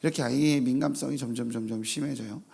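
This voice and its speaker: Gravelly, husky male pastor preaching. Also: medium pitch. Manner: slow, measured scripture reading, then relaxed anecdotal storytelling. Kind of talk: early-morning sermon. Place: church sanctuary with congregation.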